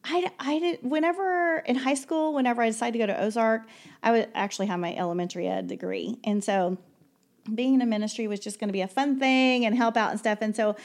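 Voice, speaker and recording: A woman in her forties, a podcast guest, talking in a loud, sassy, chatty way and laughing easily. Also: on the high side, fast talker, creaky. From Oklahoma. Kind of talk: casual chat.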